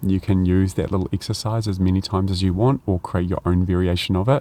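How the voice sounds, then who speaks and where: In a calm tone, a man with a very deep, low pitch speaks at a moderate pace with fairly even intonation. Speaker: energy healer. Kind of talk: guided meditation. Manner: calm, soft-spoken.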